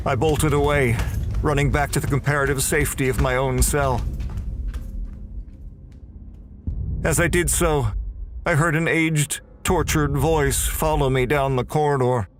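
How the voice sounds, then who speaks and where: A man playing a frightened prison inmate, giving a grim, deliberate first-person horror narration. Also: on the high side, lightly acted. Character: terrified, bewildered male prison inmate recounting horror. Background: music.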